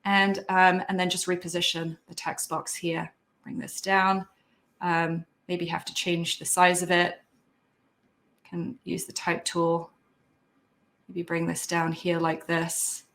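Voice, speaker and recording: Low-voiced woman demoing photo art software. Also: monotone, takes it slowly. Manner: chatty, sentimental, talks a lot. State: losing her voice. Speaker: guest instructor. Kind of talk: software tutorial demonstration. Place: home office.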